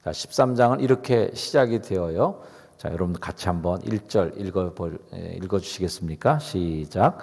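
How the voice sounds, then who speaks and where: A man's voice: deep voice, normal speed, gravelly, darkish tone. A middle-aged man, a pastor, preaching a sermon in a conversational, chatty way, asking the congregation questions. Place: church sanctuary. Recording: long reverb of a church hall.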